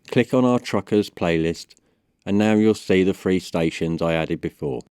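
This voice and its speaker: A man narrating a step-by-step software tutorial in a measured, instructional way. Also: low voice, no room sound, clean studio sound. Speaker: tutorial presenter.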